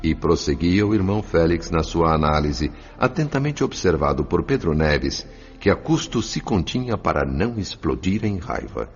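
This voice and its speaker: A man narrating a dramatized audiobook in a formal, measured, literary manner. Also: low-pitched, sing-song. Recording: muffled, long reverb, music underneath.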